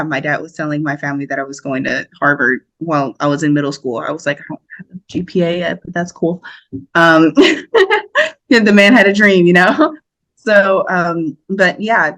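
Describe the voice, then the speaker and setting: A woman's voice: deep voice, a bit bright. A young woman from the United States, an actor guesting on a podcast, talking casually and animatedly with frequent laughs and fillers. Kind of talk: casual interview chat.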